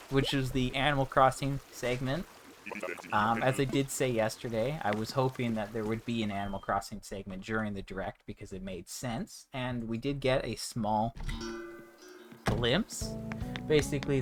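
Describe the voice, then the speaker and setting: A man streaming a game, chatting casually in a rambling, ranting way with many restarts, interrupted by hiccups. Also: medium pitch. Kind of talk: casual livestream chat while playing. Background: game music.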